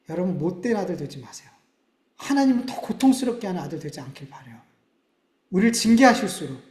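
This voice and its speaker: A man in his thirties preaching a sermon as pastor, earnest and conversational, rising to dramatic emphasis. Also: high-pitched. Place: church sanctuary. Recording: echoey church room.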